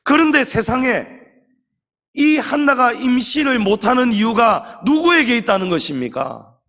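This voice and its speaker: A man's voice: very high-pitched, sing-song, moderate pace, gravelly, sharp tone. A man preaching as senior pastor at a Sunday service, emphatic and full of rhetorical questions to the congregation. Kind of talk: Sunday sermon. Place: church sanctuary during Sunday service. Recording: long church hall reverb.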